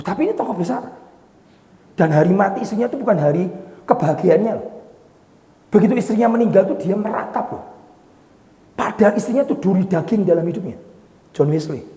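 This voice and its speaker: A male pastor preaching a sermon dramatically, acting out quoted voices and shouting for emphasis. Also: high-pitched, lively intonation, moderate pace, long pauses. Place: church hall. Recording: echoey, reverberant hall.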